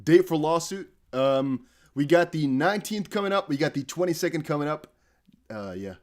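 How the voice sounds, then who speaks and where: A rambling young man from the Netherlands hosts a crypto livestream, chatting casually, laughing often and using many fillers. His voice is fairly high, animated and at a normal speed.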